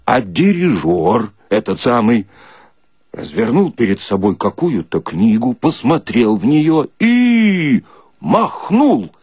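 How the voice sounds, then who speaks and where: A man tells a comic story in a colloquial monologue, folksy and theatrical, animated enough to slip into mock singing. His voice is medium-pitched, slow and husky. It's studio quality, with no echo.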